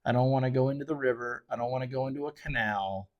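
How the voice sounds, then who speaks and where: This fishing charter guide talks fast at a medium pitch, and the audio sounds dull. Alone at a desk microphone, he hosts his show in a loose, rambling way. Fillers and self-corrections crop up constantly.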